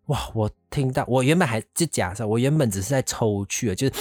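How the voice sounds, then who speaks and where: A young man telling a personal story in an emotional, halting way, full of fillers and restarts. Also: medium pitch, darkish tone, no room sound. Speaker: vlogger telling his own story.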